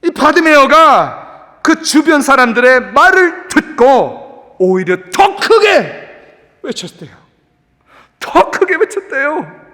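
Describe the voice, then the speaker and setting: A man preaching with a very high, bright voice that swoops up and down with lively energy. He is a pastor in the middle of a sermon, often slipping English words into his preaching. His voice rings with a long echo in a church sanctuary. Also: slow pace. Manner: animated preaching, mixing English words into the talk.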